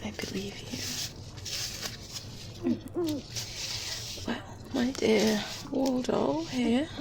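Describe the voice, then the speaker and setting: A woman playing a brisk, secretive, faintly condescending good witch in a soft, breathy, whispered ASMR roleplay. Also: fairly high pitch. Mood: secretive, wary. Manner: slow, deliberate, hushed, commanding.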